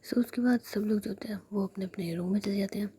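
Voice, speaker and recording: A woman narrating a romantic story entirely in a hushed, intimate whisper. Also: mid-range voice, steady tone, fast talker, a little hiss or hum.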